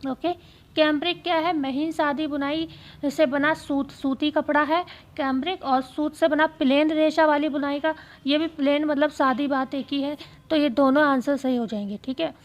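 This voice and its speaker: A woman teacher going through exam questions, speaking slowly and repeating key phrases so students can write them down. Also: high-pitched, fairly even intonation. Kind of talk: exam-prep lesson.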